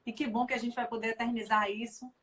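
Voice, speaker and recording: A woman's voice: on the high side, level tone, quick pace, a bit bright. A woman hosting a live stream, effusive and exclamatory, praising her guest. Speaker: host.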